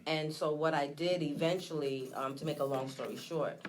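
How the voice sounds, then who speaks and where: A woman's voice: low-pitched, fairly even intonation, a little hiss or hum. Candid, reflective woman telling her story. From Trinidad, raised in Brooklyn. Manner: candid, reflective, hesitant with many pauses. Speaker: guest, nonprofit founder. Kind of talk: personal testimony in an interview.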